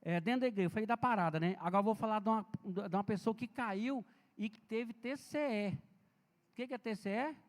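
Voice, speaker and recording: A health and safety speaker with a notably high voice gives an informal seminar lecture, talking fairly quickly and addressing listeners directly with plenty of stories. A long reverb from a large church hall rings around his words.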